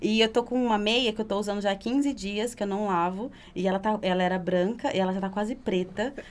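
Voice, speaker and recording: Speaking at a fairly quick pace with hardly any pauses, a woman with a rural Brazilian accent keeps her intonation fairly even. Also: medium pitch for a woman. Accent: Brazilian countryside accent with strong R. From interior of Brazil. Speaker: adult content creator. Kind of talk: casual chat.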